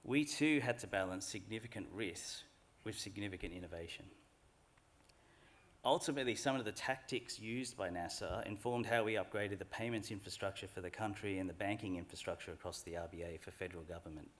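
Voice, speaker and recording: Measured man giving a ceremony address. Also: fairly low pitch. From Australia. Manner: measured, earnest, reflective speech delivery. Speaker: graduation speaker. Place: large ceremony hall.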